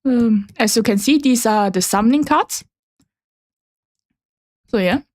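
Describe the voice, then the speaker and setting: A woman's voice: fairly high pitch, a little slow, darkish tone. A woman whose first language is Chinese, chatting casually and a little awkwardly as a new VTuber streamer presenting slides. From Germany. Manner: hesitant, slightly awkward, apologetic.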